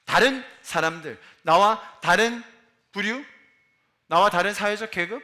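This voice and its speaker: Unhurried yet forceful, a pastor in his forties preaches in a church sanctuary with a high-pitched, bright voice. He's from Busan, South Korea, speaks Busan Gyeongsang dialect, and keeps his sermon chatty by asking the congregation questions.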